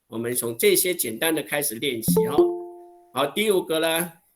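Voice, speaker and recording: A man with a Taiwanese Mandarin accent teaching an online language lesson over a video call, acting out exclamations with drawn-out, expressive voicing. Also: on the high side, over loud music.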